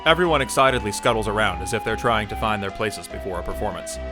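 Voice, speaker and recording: A man's voice: fairly low pitch, lively intonation, quick pace, over music, natural voice. A man playing a wry narrator of an audio drama, reading scripted scene descriptions. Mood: wry, descriptive.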